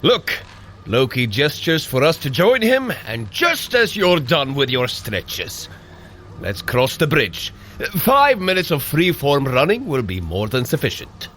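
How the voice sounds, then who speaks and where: Boisterous, wildly swooping thunder god. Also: male voice, mid-range voice, sing-song, measured pace, fairly bright tone, slight background noise. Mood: planning. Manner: grand, archaic heroic diction. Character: boisterous, hearty god of thunder, bumbling good-natured brother. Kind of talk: audio drama fitness adventure.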